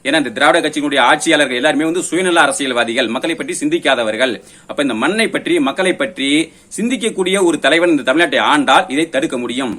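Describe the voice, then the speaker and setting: Speaking fast in a bright, forceful voice of fairly high pitch, this political commentator rebuts an opponent. His monologue is combative, built on sharp, accusing rhetorical questions.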